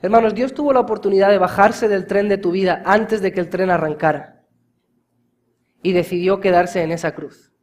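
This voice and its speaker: A high-pitched man delivers an impassioned sermon to his congregation. He speaks to them directly and warmly as brothers. His delivery moves between quiet, drawn-out phrases and loud, insistent peaks. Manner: impassioned preaching, swings from hushed to loud emphasis. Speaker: pastor.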